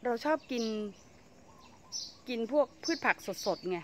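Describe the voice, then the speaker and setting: A woman's voice: on the high side, expressive, slow, slight background noise. Chatty woman touring her vegetable garden. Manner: chatty, exclaims and laughs while showing plants. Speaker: home gardener vlogger. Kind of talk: casual garden tour vlog. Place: outdoor home vegetable garden. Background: birdsong.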